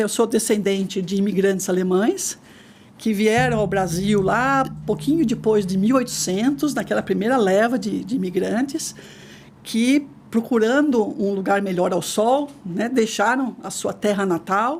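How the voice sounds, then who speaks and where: Here is an ordinary speaking voice from a woman, fairly high in pitch. She talks at a fairly slow pace with ordinary pitch variation. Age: 60s. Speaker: business executive. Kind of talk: interview.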